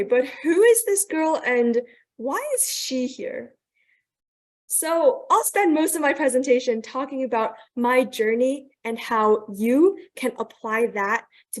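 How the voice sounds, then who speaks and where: Young female student speaker, high-ish voice, earnest and polished, video-call mic. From Thailand, raised in New York. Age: young adult. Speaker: guest speaker. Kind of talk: prepared presentation on a video call.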